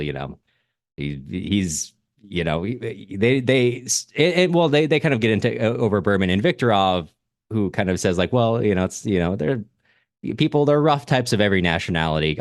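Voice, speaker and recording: A man's voice: low-pitched, dry recording, studio quality. A man co-hosting a book podcast, talking casually in an informal, rambling way. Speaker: podcast co-host. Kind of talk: casual literary discussion.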